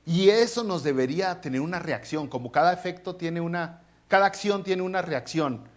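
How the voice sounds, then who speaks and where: A man preaching a sermon as pastor, animated, with playful asides and mock voices. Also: on the high side, moderate pace.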